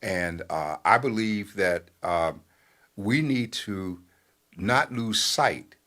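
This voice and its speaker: An older man, a newspaper editor, giving talk-show commentary in a measured, halting way with many fillers. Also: lowish voice, animated, sharp tone.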